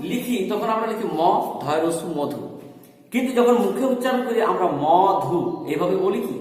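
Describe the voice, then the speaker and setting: Male lecturer, high voice, self-questioning explainer, very echoey room. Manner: explains step by step, asks and answers his own questions. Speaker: teacher. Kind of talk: recorded lecture. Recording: echoey room with long reverb.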